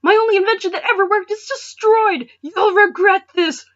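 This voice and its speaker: A boastful boy inventor acted by a woman declaims in a very high, sharp voice. He is threatening and melodramatic, heard on a slightly lo-fi home recording. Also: normal speed. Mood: anguished, vengeful. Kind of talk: amateur fan fiction reading.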